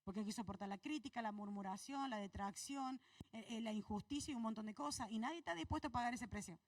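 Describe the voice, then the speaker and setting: High-voiced Argentine woman preaching a sermon. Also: quick pace, no room sound, recorded from a distance. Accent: Argentine Spanish. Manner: preaches to the congregation with rhetorical questions, voice rising and falling. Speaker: pastor. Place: church hall.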